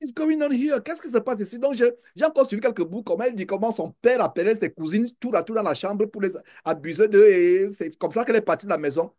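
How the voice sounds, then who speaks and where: A man's voice: sits high, quick pace, few pauses, darkish tone. A man preaching to his listeners, exclamatory and addressing them directly. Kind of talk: sermon commentary.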